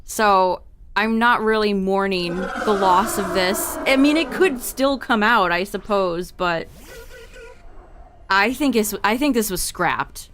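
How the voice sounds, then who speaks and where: A woman's voice: mid-range voice, slow pace, a bit bright, a little hiss or hum. A young woman streamer who is losing her voice, chatting casually with her viewers and reading notes aloud with asides. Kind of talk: casual livestream chat to viewers.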